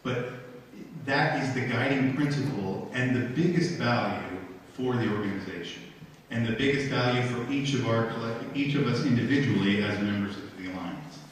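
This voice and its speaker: A middle-aged American man giving a formal public speech as a diplomat, with measured, deliberate phrasing. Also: medium pitch. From United States. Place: large lecture room, recorded from the audience. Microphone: handheld mic through room speakers, distant camera pickup. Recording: very echoey hall, distant mic, faint noise.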